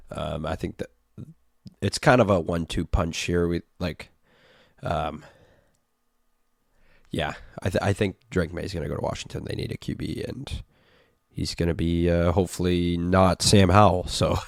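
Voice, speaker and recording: A man hosting a casual sports chat, stuffy from a cold, relaxed and full of fillers. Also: sits low, creaky, dry recording, clean studio sound. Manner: laid-back, filler-heavy. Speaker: podcast host.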